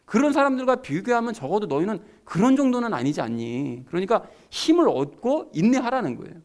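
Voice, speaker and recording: A man's voice: sits high, a little mellow. A man preaching a sermon as pastor, talking conversationally and emphatically to his congregation.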